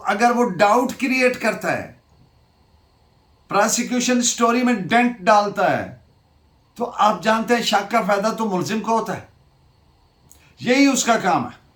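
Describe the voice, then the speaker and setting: Female law lecturer, Pakistani accent, slow deliberate delivery, didactic, reverberant room. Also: medium pitch, animated, fairly bright tone. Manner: didactic, asks and answers own questions, switches into English terms. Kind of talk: law lecture, dictating case citations. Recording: echoey room sound.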